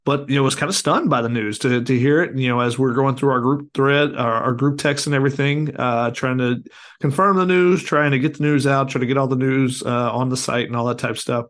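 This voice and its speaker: A man co-hosting a casual sports podcast, hoarse as his voice comes back, talking in a rambling way with many fillers. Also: medium pitch, fairly even intonation, fairly quick, a bit bright. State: hoarse, recovering lost voice. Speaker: podcast co-host.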